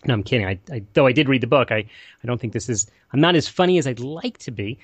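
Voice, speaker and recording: A man's voice: mid-range voice, animated, quick pace, husky, no echo. A man hosting a financial radio show, rambling and poking fun at himself as he introduces a guest. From Israel. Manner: rambling, self-deprecating, stumbles over words.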